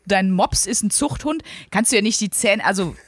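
A woman's voice: mid-range voice, lively intonation, moderate pace, slightly rough, no room sound. A woman co-hosting a podcast in casual chat, with blunt, slangy, teasing banter. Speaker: podcast co-host.

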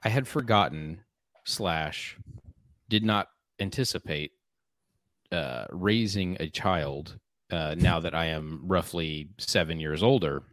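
A man co-hosting a casual podcast, talking in a halting way with many fillers and restarts. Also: deep voice, a bit bright, dry recording, clean studio sound. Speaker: podcast co-host. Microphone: podcast microphone.

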